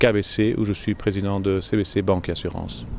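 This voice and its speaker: In a fairly low pitch, a man talks with monotone, flat intonation. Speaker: bank executive. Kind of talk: interview.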